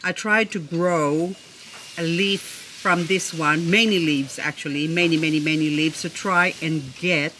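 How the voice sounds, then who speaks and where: A woman in a casual show-and-tell vlog, talking slowly and lingering over her words. Her voice sits a little low, and she gushes and admires as she chats. She jokes playfully with herself, with faint background noise behind her. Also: steady tone, pushed and bright, low-quality recording. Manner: gushing, admiring, chatty. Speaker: succulent-growing vlogger.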